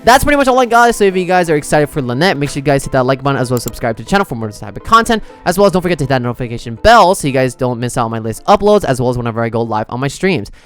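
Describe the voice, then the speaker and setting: A man's voice: medium pitch, big pitch swings, racing, hardly any pauses, a bit bright. A man doing chatty, casual reaction commentary as a gaming content creator, sometimes reading game text aloud. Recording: music behind the voice. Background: music.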